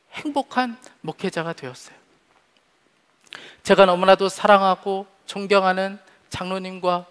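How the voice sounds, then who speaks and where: High-voiced man preaching in a reverberant hall. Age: 40s. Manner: earnest, heartfelt farewell preaching, many soft endings. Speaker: pastor. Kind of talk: sermon. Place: church stage behind a podium. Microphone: headset mic.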